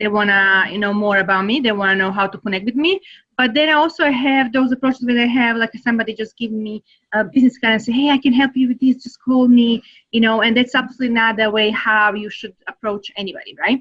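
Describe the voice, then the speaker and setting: At a very fast pace, a woman with a Serbian accent speaks in a fairly high voice with ordinary pitch variation. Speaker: networking consultant. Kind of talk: podcast interview. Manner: hesitant, many fillers.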